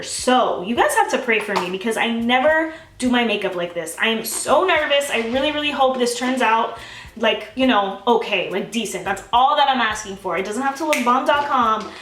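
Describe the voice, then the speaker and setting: A woman's voice: on the high side, fairly bright tone, echoey room, far from the mic, slight background noise. A young woman chatting bubbly and gushing through a makeup tutorial at home, talking straight to her viewers. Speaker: beauty vlogger. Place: home, filming herself.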